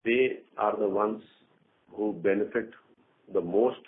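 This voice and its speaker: Low-pitched male executive on a phone line. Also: slow. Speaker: company executive. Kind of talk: earnings call answers. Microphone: conference call phone line. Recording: narrow tinny phone line.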